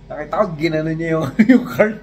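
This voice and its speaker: A man's voice: on the high side, fast talker, a little mellow, a little hiss or hum, poor audio. A man from the Philippines, a vlogger, chatting casually and recounting a work story in an easygoing way. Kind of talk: casual chat.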